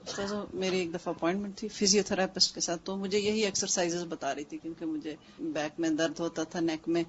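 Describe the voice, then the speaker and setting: A woman student quietly telling the class about something that happened to her, speaking from away from the mic in a classroom. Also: fairly low pitch, flat delivery, highs cut off, slight background noise. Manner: quiet, soft-spoken storytelling.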